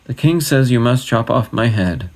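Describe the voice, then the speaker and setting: A man's voice: medium pitch, animated, normal speed, pitched above the performer's own voice, natural voice. A man voicing a polite young boy in a storybook, in close to his own voice.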